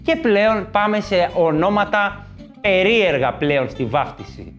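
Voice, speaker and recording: A man with a high voice performs a stand-up comedy monologue. He riffs from one joke to the next, mimics people shouting names, and throws in quick asides. Faint guitar music plays underneath. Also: lively intonation.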